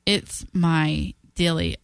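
A woman's voice: low voice, very animated, takes it slowly, vocal fry, clean tone, no room sound, studio quality. A woman co-hosting a fan podcast in casual chat, frank and a little sleepy, laughing easily. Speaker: podcast co-host.

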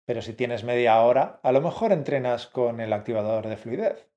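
Mellow-voiced man, muffled podcast sound. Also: mid-range voice, moderate pace. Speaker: co-host of a Spanish-learning podcast. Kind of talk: scripted podcast teaching.

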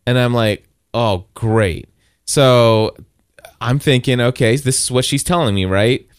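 Animated man telling a story, dry sound. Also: mid-range voice, unhurried, smooth, no echo. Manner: animated, quotes others in raised voice. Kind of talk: casual storytelling.

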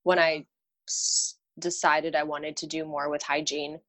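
The audio is poor as a Romanian dental hygienist, guesting on a podcast, speaks unhurriedly in a low-sitting voice. She chats casually, candidly and animatedly about her life and work, laughing at herself along the way.

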